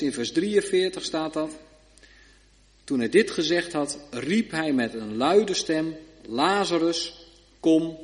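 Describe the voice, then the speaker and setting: A man giving a Bible study sermon, reading scripture aloud slowly and checking in with short tag questions. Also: fairly high pitch. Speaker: preacher. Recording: long reverb of a hall.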